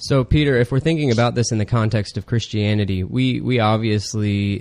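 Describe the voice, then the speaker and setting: Speaking at a moderate pace, a man with a fairly low pitch and fairly even intonation has an unremarkable speaking voice. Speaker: podcast host. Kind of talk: casual interview. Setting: video call with guest. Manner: jokey, chatty.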